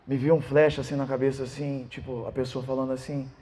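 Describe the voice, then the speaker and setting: A man, a pastor preaching a sermon, telling a personal story in an animated way. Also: mid-range voice, brisk.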